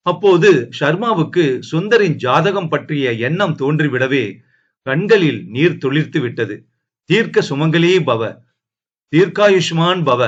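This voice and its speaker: A man reading a family novel aloud in a steady, measured storytelling voice. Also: on the high side, breathy edge. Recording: dull lo-fi audio.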